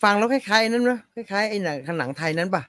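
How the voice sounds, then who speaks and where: A man's voice: high voice, expressive, quick pace, fairly bright tone, no room sound. A man co-hosting a casual film review, talking bluntly and emphatically with slang. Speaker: co-host.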